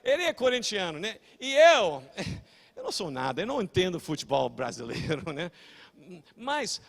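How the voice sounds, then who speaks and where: An older male pastor preaches in a fairly high voice. He shouts his main points with force, then drops into relaxed, rambling anecdotes, stumbling and correcting himself as he goes. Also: moderate pace, gravelly, long reverb tail. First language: English. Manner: fiery preaching with shouted peaks, chatty storytelling and self-corrections. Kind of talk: sermon.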